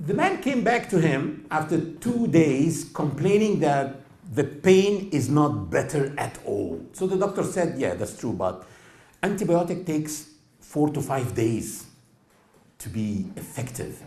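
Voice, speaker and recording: A man's fairly high voice in an Egyptian accent, fairly slow, with very wide pitch swings, vocal fry and audible room echo. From Upper Egypt. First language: Arabic. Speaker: Islamic lecturer. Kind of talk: workshop lecture.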